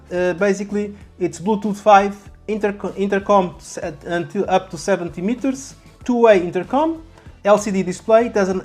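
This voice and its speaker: A vlogger giving casual, halting unboxing commentary and often repeating words. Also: medium pitch, darkish tone. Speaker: YouTube vlogger. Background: background music.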